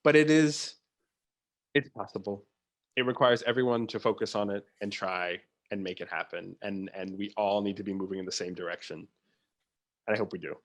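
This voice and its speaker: A man's voice: lowish voice, normal speed. A man talking informally as an interview guest, with asides and the odd mimicked reaction. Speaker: theatre producer, interview guest. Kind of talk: casual conversational interview.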